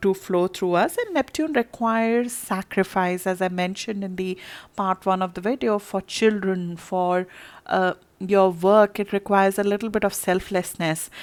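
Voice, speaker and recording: Recorded very cleanly against a silent background, a speaker with a non-native accent talks at a moderate pace with fairly even intonation. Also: woman, medium pitch for a woman. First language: not English. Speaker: astrologer. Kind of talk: horoscope reading monologue. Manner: halting, with fillers and restarts.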